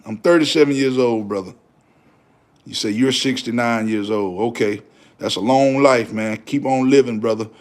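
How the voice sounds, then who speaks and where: A man in his thirties hosting a casual livestream, talking faith with his viewers. He preaches in an easy, repetitive way and calls out to them as brother and y'all. His voice sits at an ordinary middle pitch. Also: normal speed. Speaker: livestream host.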